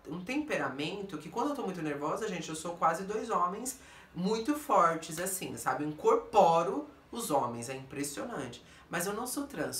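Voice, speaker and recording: A woman with a Brazilian Portuguese accent who speaks in a low, bright, forceful voice. She tells her story bluntly and keeps turning to her viewers. The recording is roomy, with the mic set some distance away. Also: slight background noise. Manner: emphatic, blunt, keeps addressing the audience. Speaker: vlogger.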